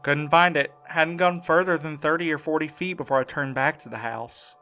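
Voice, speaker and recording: A man's voice: a little high, moderate pace, bright, forceful tone, clear, resonant tone, soft background music. A man acting as a tired young mail carrier in an audio drama. He sounds battered and weary, with a dry, wry edge. His delivery stays natural and conversational. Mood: recounting, uneasy.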